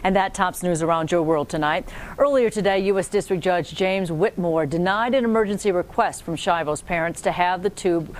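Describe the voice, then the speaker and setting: An American woman anchoring a local newscast in a polished, formal, scripted newsreader delivery. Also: normal speed. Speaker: TV news anchor. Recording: clear background noise with low rumble.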